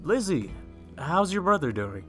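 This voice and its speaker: A man's voice: on the high side, very animated, measured pace, sharp tone, faint music behind, exaggerated voice. Mild, apologetic newspaper man. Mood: pleased, hopeful. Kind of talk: audio drama acting.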